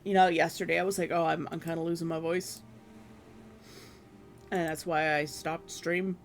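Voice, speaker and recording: A streamer chatting casually with viewers from their room at home, rambling and laughing at themselves, with a hoarse voice that is giving out. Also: medium pitch, little pitch movement, moderate pace, slight background noise. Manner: rambling, self-deprecating, laughs often. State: hoarse, losing voice.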